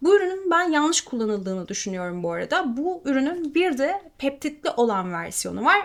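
Her pitch moves in very wide swings. The woman keeps a fairly quick pace. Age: 30s. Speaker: beauty and skincare YouTuber. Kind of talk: product review.

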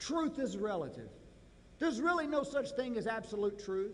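With audible room echo, a man speaks at an extremely high pitch with lively intonation. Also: moderate pace.

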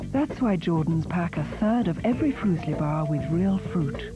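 Over music in the background, a woman speaks at a fairly slow pace with a fairly low pitch. Her pitch swings very widely. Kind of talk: TV commercial read.

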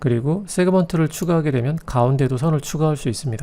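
Very fast and somewhat breathy, a man speaks with a dark, mellow tone and ordinary pitch variation on a very clean recording with a silent background. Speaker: 3D modeling instructor. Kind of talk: tutorial.

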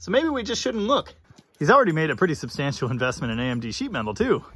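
A man talks at a fairly quick pace in a bright, sharp tone with vocal fry and very wide pitch swings, the sound dry with no echo. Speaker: car channel host. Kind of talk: casual vlog commentary. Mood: wry, joking. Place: garage. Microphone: phone near.

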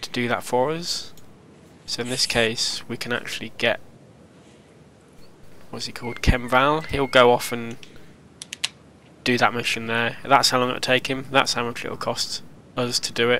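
Over noticeable background noise, a man speaks at a moderate pace with long, frequent pauses. His medium-pitched voice is monotone and flat. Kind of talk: gameplay commentary. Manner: casual, hesitant.

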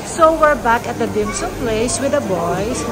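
A woman is speaking. Loud background noise fills the recording. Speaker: family vlogger. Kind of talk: casual vlog chat. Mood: cheerful, playful. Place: cafe. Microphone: phone near.

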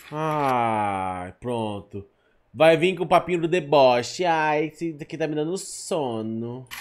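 Very slow speech from a man with lively intonation. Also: fairly high pitch for a man, big swings in loudness. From São Paulo state interior (Presidente Prudente area); São Paulo state, Brazil. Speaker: streamer reacting to videos. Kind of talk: casual live-stream reaction commentary. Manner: animated. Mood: indignant, mocking. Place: home room. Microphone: studio mic.

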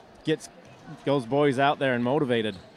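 In dry sound with no echo and light background noise, a man with an American accent talks with fairly even intonation. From Utah, US. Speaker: color commentator. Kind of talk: live color commentary at a high school basketball game. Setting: courtside broadcast booth at a high school gym. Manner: casual, conversational analysis. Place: stadium.

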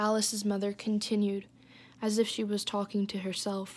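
At a medium pitch, a woman speaks at a moderate pace. Hers is an ordinary speaking voice. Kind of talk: audiobook reading of a young adult novel. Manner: measured, even-paced narration with softly voiced dialogue.

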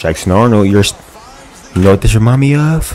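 This man's voice sits at a fairly low pitch. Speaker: sports reaction YouTuber. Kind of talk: casual game-highlight reaction commentary. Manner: animated, laughs often.

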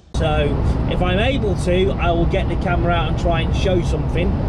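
A man talks while loud noise fills the background. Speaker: lorry driver vlogger. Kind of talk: casual vlog chat. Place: car. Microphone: camera far.

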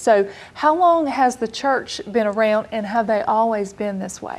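Her fairly high pitch carries through as the woman speaks at a moderate pace. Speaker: TV show host. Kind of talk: interview for a church TV show. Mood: warm, friendly. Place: church.

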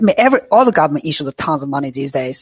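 A woman with a Chinese accent and a very deep, low voice speaks in a dry, echo-free sound against a quiet background. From China. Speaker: audience member. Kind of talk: audience question. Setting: video call. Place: home room. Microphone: video call.

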